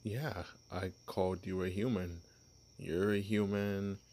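A man's voice: deep voice, level tone, slow, a little mellow. A man voicing a shy, clueless young male vampire posing as human in an ASMR roleplay, stammering and apologizing. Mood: nervous bluffing.

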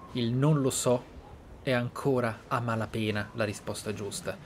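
A man's voice: mid-range voice, a little hiss or hum. A man giving casual, reflective roleplay commentary on a video game, explaining and repeating words for emphasis. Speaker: gaming streamer, player. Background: game sound.

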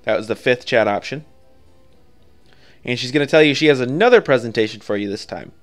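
A man's voice: medium pitch, fairly quick, faint music behind. A man narrating a step-by-step video game guide in an informal, offhand, conversational way.

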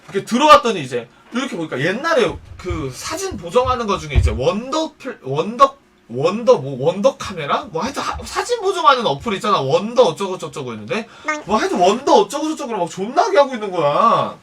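A man casually telling a story on a livestream, swearing a lot and acting out each person's lines in quick back-and-forth. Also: sits high, wildly swooping pitch, a bit bright, far from the mic. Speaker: livestream streamer.

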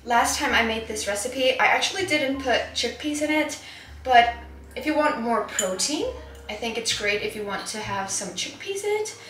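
A woman's voice: on the high side, animated, normal speed, fairly bright tone, roomy sound, a little hiss or hum. A woman in her twenties from Iceland, chatting enthusiastically while cooking in a small home kitchen, with lots of "like" and "honestly". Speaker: lifestyle vlogger. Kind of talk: casual cooking vlog chat.

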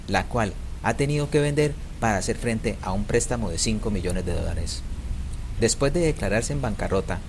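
Male narrator, lowish voice, scripted countdown read with a noisy background; numbers punched up. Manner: announces ranking numbers louder and slower.

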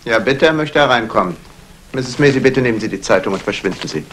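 An actor playing a courteous, self-assured London jeweller in a 1960s German radio crime play, formal in manner. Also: male voice, medium pitch, animated, fast, a bit bright, natural voice. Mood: smooth, courteous. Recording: noisy old radio play recording.

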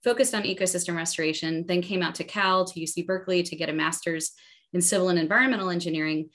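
A woman's voice: lowish voice, fairly even intonation, quick pace, a bit bright. A woman in her forties from New Jersey with an American accent, giving an explanatory panel answer on a video call. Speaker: panelist, environmental scientist. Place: bedroom at home, indoors. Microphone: laptop video call.

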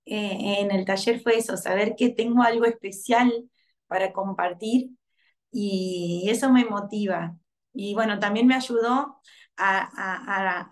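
Thirties woman, soft and hesitant, video-call laptop mic at home. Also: medium pitch. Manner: soft, hesitant, many fillers and restarts. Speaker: workshop participant, mother. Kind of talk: reflective testimonial over video call. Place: home living room.

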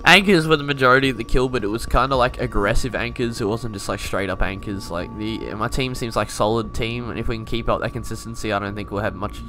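A man's voice: fairly low pitch, fast talker, hardly any pauses, noisy background. A young man giving casual gameplay commentary as a video creator, laid-back, thinking aloud and swearing now and then. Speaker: gaming YouTuber.

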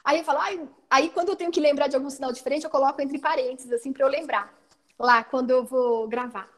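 A Brazilian woman teacher giving an online training talk, explaining in a lively way and often adding "né" to check that she is followed, over a video call. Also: high voice, quick pace. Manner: lively, explanatory, frequent "né" tags.

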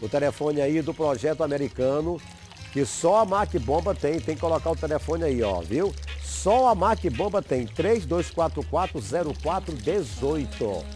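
A man's voice: a little high, sing-song, moderate pace, darkish tone, faint music behind. Chatty man hosting local TV show. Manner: chatty, folksy, affirming. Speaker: TV show host. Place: TV studio set. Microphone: lapel mic.

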